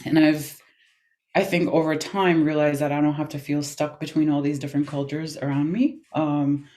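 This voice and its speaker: A woman's voice: sits low, little pitch movement, moderate pace, dark tone. A woman in her thirties from the US East Coast, co-hosting a podcast in an earnest, chatty way with frequent ums. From United States East Coast. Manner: earnest, chatty, laughs easily, fills with um. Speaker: podcast co-host. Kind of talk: casual podcast chat.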